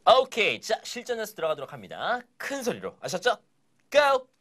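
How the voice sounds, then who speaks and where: A man leads an English lesson with a bright, forceful voice that swoops up and down. He coaxes the viewers to repeat every phrase loudly. His delivery is energetic and full of encouragement. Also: high voice, quick pace, slight background noise. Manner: energetic, coaxing, drills phrases aloud. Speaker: English teacher. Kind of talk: upbeat language lesson.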